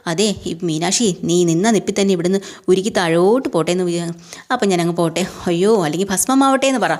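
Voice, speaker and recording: A woman's voice: fairly low pitch, quick pace, a little mellow, close to an everyday voice. A woman reading a mocking defiant young woman. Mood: scornful. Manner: mocking, scolding.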